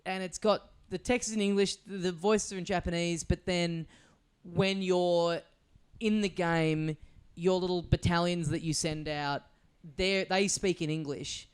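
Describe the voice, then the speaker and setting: A man's voice: high voice, fairly even intonation, measured pace, clean tone. An Australian man co-hosting a podcast, chatting casually and rambling with lots of fillers and restarts. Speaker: podcast co-host. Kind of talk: casual chat. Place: small studio.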